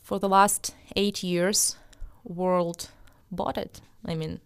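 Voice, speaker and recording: A woman's voice: lowish voice, level tone, slow, gravelly, smooth. Ukrainian woman with a Russian-speaking accent. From Ukraine, Donetsk region. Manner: emphatic, many restarts and hesitations. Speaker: interviewee. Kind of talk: earnest interview answers.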